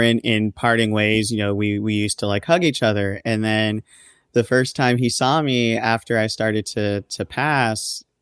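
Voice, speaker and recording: On a very clean recording with a silent background, a man speaks at a fairly slow pace with fairly even intonation. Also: dry, close sound with no echo. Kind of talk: podcast interview.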